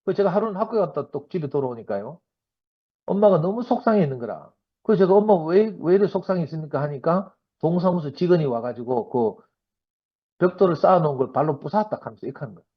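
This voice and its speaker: A man in his fifties with a Gyeongsang accent, giving a sermon-style personal testimony to a church gathering in a lively storytelling manner. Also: a little high, quick pace, breathy edge. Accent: Gyeongsang Korean. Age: 50s. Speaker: church member giving a talk. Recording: dull lo-fi recording.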